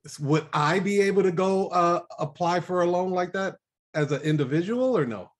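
A man hosting a casual online show, asking a guest questions and hyping up his listeners with quick, short replies. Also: high voice. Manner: upbeat, short acknowledgments, hypes the audience. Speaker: show host. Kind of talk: casual interview and live audience chat.

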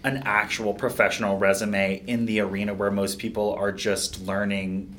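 A man's voice: on the low side, little pitch movement, normal speed, a bit bright. A man in his twenties co-hosting a casual interview, playful and chuckling. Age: 20s. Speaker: podcast co-host. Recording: crowd noise behind.

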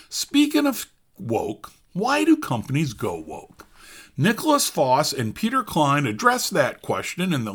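A man's voice: on the high side, a bit bright. A middle-aged man reading scripted opinion commentary, quoting sources aloud and adding wry asides. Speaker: commentary host.

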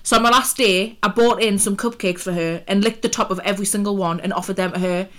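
A woman's voice: mid-range voice, steady tone, fast talker, fairly bright tone. Woman co-host, hungover, jokey and sweary. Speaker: podcast co-host. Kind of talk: casual chat.

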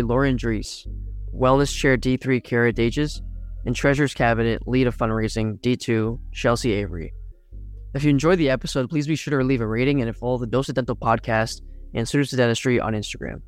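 A man's voice: medium pitch, soft background music. A man hosting a podcast, reading a scripted intro and a list of guests by name and title. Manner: brisk, reads names and titles in a list. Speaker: podcast host.

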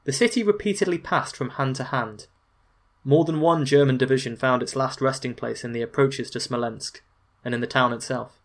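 A man narrating history from a script, at a mid-range pitch. He delivers the account with a wry, opinionated edge and drops in dry, sarcastic asides. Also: moderate pace.

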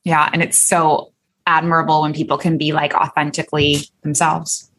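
A woman's voice: sits low, level tone, normal speed, a bit bright. A woman from Canada hosting a podcast, upbeat and enthusiastic with her guest. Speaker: podcast host. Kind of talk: podcast interview.

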